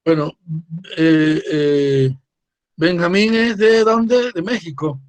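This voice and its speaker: A man with a fairly high voice speaks slowly and haltingly, filling pauses as he recalls things on a video call. The sound is dry and close. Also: no room sound. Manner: slow, hesitant, many fillers. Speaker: writer guest. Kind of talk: casual video-call chat.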